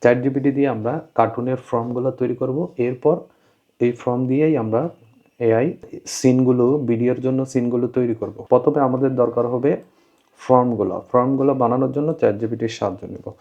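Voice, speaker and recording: A man's voice: medium pitch, fairly even intonation, fairly quick. A man presenting an informal step-by-step tutorial, explaining plainly and repeating his instructions. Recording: dull, lo-fi voice-over.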